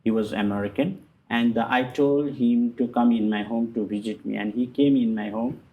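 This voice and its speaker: Man, halting, filler-heavy English. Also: mid-range voice, fairly even intonation, phone-quality sound. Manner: halting non-native English with many fillers and restarts. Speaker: guest. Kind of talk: personal testimony in conversation.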